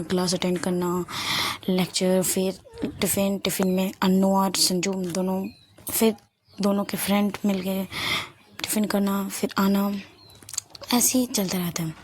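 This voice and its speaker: A woman's voice: medium pitch, a little hiss or hum. A young woman narrating a love story casually, often dropping to a whisper and correcting herself as she goes.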